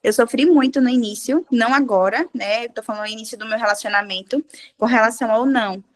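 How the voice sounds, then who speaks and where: A woman and mother sharing a personal testimony in a casual women's devotional chat, telling her stories with lively acted-out dialogue. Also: a little high, fast talker. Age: adult with a child. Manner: animated storyteller, acting out dialogue. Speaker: devotional group participant.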